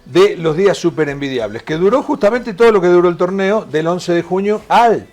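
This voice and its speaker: A man's voice: high-pitched, animated, fairly quick, darkish tone. A man from Argentina with an Argentine accent, co-hosting a morning TV talk show in a chatty, joking way. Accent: Argentine Spanish. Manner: chatty, joking, reads out ad figures. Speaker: TV show co-host. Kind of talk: casual TV talk show banter.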